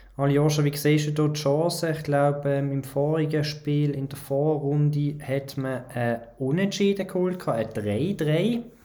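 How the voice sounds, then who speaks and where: A man's fairly high voice at a very slow pace, with hardly any pauses, ordinary pitch variation, and noticeable background noise. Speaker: podcast host. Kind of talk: casual chat.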